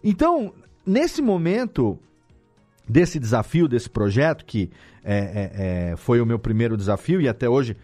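A Brazilian man talking casually as an interviewed audio editor, explaining things in an animated way with rhetorical questions. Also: medium pitch, measured pace, faint music behind. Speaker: audio drama editor and podcast guest.

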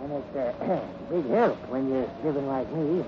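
A man's voice: mid-range voice, unhurried, close to an everyday voice. A man playing a genial, wistful old hobo with folksy talk in a 1950s radio western. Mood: jovial, folksy. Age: older. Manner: folksy drawling phrases, chuckling. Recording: noisy, muffled old radio recording.

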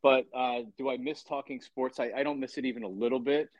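A man's voice: mid-range voice, fairly even intonation, no echo, highs cut off. A man in his fifties, a podcast guest on a remote call, talking casually with frequent restarts and repeated words. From Philadelphia area. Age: 50s. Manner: halting, repeats words, opinionated.

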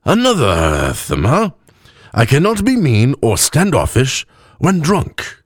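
A man voicing an earnest, drunken old elf cleric with slurred, halting speech and an invented elvish accent. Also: mid-range voice, huge pitch swings, dry recording, studio quality, voice pushed up, heavily acted. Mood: earnest, tipsy. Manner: halting, stumbling over words. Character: drunken two-hundred-year-old male elf cleric, earnest, rambling.

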